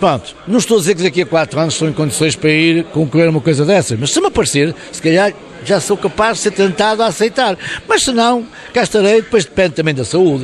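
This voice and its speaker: With lively intonation, a high-pitched man speaks at a very fast pace over noticeable background noise. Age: 60s. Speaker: retired local council president. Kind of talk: interview. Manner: halting, with frequent restarts.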